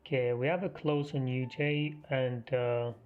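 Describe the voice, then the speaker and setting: A man hosting a live trading stream, half losing his voice, talking through the market in a halting, think-aloud way. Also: mid-range voice, fairly even intonation. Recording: muffled stream audio with faint music.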